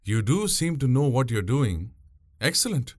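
A man's voice: mid-range voice, very animated, moderate pace, no echo, studio quality, pitched above the performer's own voice. A man voicing a boastful young warrior who talks grandly and blusters.

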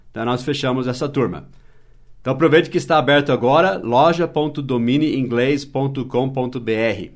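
An adult man raised in Brazil, whose first language is English, hosts a casual mini-podcast lesson as an English teacher. He explains patiently in a mid-range voice, dropping short English example phrases into his explanations.

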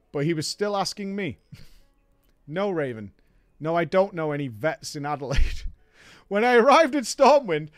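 A man's voice: sits high, dry recording, studio quality. A man telling a comic story in a wry, exasperated way. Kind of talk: comedic storytelling narration.

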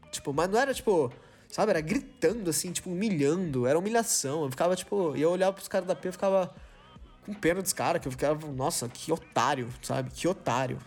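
A young man from Brazil hosts a podcast and tells a work story in loose, slangy talk. He acts out the voices of the people in his story and restarts his sentences a lot. His voice sits a little high for a man, and faint music plays behind him. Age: 20s. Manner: slangy, animated, acts out quoted dialogue with many restarts. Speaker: podcast host. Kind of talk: casual storytelling monologue.

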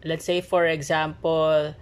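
A woman's voice: low-pitched, level tone, a little slow, clear, resonant tone. A woman with a Filipino accent in a casual chat, speaking hesitantly with fillers and self-corrections. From Philippines. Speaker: podcast co-host.

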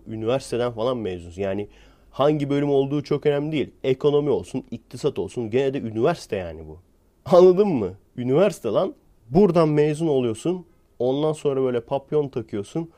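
Young guy ranting to camera, mocking and sarcastic, warm low-key tone. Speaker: YouTuber. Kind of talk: casual ranting monologue.

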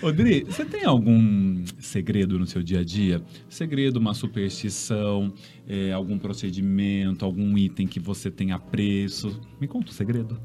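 A man's voice: lowish voice, animated, normal speed, few pauses, mellow. A man hosting a casual panel chat, asking friendly questions. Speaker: host.

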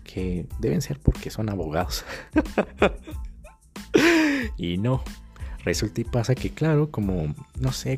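Low-voiced Colombian man telling stories. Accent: Colombian Spanish. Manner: crude slang, swings between loud and muttering. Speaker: vlogger. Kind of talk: casual storytelling monologue.

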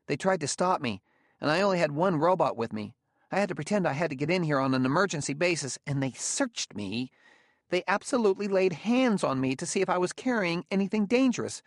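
A male narrator acts out a fretful, aggrieved spacer in a science fiction story. The voice sits well above his natural pitch and jumps around with flustered, defensive pleading. It is recorded very dry and close. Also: no room sound. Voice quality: squeaky when agitated. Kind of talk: audiobook character dialogue.

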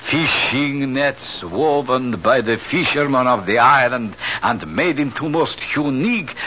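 An actor playing a fat little hotel clerk with a Hispanic accent, flowery, deferential and sly, in a radio drama. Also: male voice, mid-range voice, lively intonation, unhurried, bright, forceful tone. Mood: proudly effusive. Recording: muffled, noisy 1970s radio recording.

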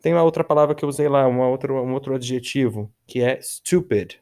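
A man with a Brazilian Portuguese accent teaching English vocabulary in a casual podcast lesson. He talks in relaxed slang and slows right down to model English words for listeners to repeat. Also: mid-range voice.

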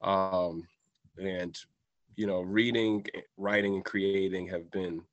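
A young man from Boston, a writer who is a guest on a radio interview, answering in a soft-spoken, thoughtful way with many "um"s. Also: sits low, fairly even intonation, takes it slowly, dull audio. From Boston, USA.

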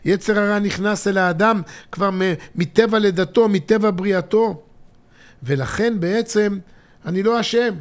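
High-voiced middle-aged man teaching scripture. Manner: expressive, swinging from emphatic to hushed and intimate. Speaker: podcast co-host, father. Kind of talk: religious teaching talk.

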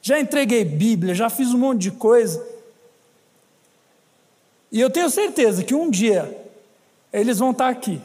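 A man's voice: extremely high pitch, expressive, a little slow, long pauses, a little mellow, slightly rough. A man with a Brazilian accent, preaching a sermon in a church hall and telling a story with humor and chatty asides to the congregation. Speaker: pastor. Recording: long hall reverb.

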